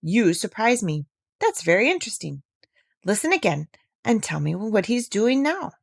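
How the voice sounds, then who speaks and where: A woman voicing a polite, doubting gentleman doctor in a children's storybook. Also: medium pitch, sing-song, normal speed, vocal fry, no room sound, clean studio sound. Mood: intrigued. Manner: courteous, doubting. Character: polite, sceptical gentleman doctor who talks with animals.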